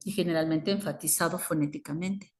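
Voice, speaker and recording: A woman's voice: low-pitched, fairly even intonation, brisk, darkish tone. A woman with a Mexican Spanish accent teaching an English grammar class, explaining patiently and switching between Spanish and English. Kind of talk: bilingual grammar lesson.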